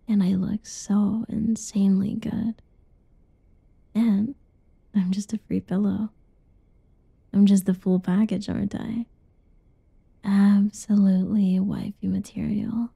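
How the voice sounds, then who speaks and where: A young woman doing a whispered ASMR roleplay in a soft, teasing whisper, recorded close and dull. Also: medium pitch, little pitch movement, slow, creaky, pauses often, breathy edge, no echo.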